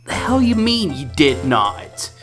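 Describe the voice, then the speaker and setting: A man hosts a casual game review in an informal, slightly sweary way. His pitch moves around a lot, and music plays clearly behind him. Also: very animated, slow, fairly bright tone. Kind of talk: casual video commentary.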